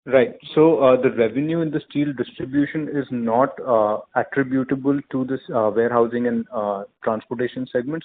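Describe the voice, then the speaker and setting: A man with an Indian accent answering questions as a company executive on an earnings call, in a measured, hesitant, formal corporate way. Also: mid-range voice. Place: conference call. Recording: narrow phone line with clear noise.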